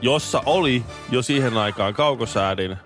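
A man's voice: medium pitch, fairly bright tone, faint music behind. A man in his thirties co-hosting a morning radio show, talking in a hesitant, rambling way. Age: 30s. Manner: hesitant, rambling, many restarts. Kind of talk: casual radio chat. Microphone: studio microphone.

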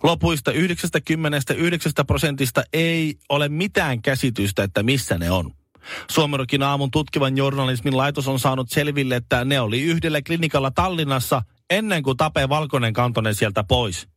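A man with a mid-range voice co-hosts a casual morning radio chat. He reacts with quick, dry quips and teasing asides. The sound is close and dry. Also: mid-range voice, fairly bright tone, no echo. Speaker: radio morning show co-host.

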